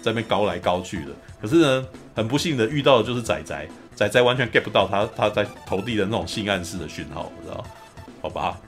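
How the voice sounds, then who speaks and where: A man hosting a podcast, recapping a film in a lively, casual storytelling way. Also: lowish voice, fast talker, soft background music. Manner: animated storyteller, often acts out quotes. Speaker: podcast host.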